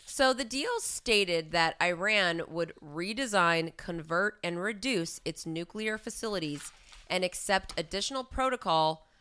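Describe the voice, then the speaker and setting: A woman's voice: fairly low pitch, lively intonation, a little slow, pushed and bright, clean tone. An American woman co-hosting a comedy podcast, blunt and offhand, laughing often. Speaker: podcast co-host. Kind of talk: casual comedic chat.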